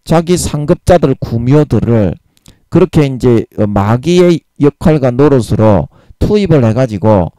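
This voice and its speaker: A man preaching a Bible sermon in a blunt, emphatic way, using coarse everyday words and drawing out key phrases slowly. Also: medium pitch, expressive, warm tone, no echo. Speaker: evangelist preaching.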